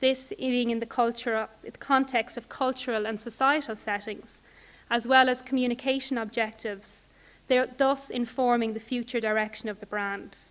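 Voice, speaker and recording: With an Irish accent, a woman speaks at a high pitch with fairly even intonation. Her loudness swings widely. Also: moderate pace. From Ireland. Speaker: corporate archivist, conference keynote speaker. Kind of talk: conference keynote presentation.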